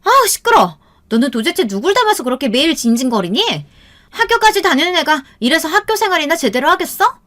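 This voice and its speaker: A woman's voice: sits high, moderate pace, few pauses, a bit bright, pitched above the performer's own voice. A woman voicing a haughty, scornful younger sister-in-law who scolds sarcastically in an audio storybook. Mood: scornful scolding.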